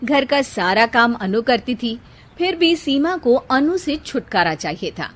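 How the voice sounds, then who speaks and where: A woman giving scripted narration for a moral bedtime story, in an even storytelling manner. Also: a little high, a little slow.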